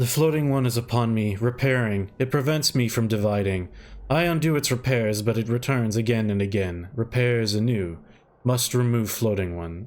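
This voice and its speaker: Soft-spoken and breathy, a man uses a put-on character voice at a medium pitch. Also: moderate pace. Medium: solo performance. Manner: soft, halting, oddly phrased.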